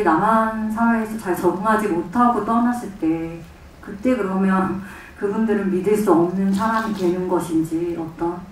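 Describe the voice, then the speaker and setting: A woman director with a lowish voice speaks earnestly and deliberately. She sounds distant, with strong hall echo and faint noise. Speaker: film director. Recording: echoey hall from far off.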